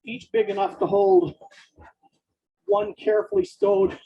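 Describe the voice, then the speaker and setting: A person dictating story prose aloud in short, halting phrases and speaking each punctuation mark, with a husky, gravelly voice. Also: extremely high pitch, very animated, muffled recording.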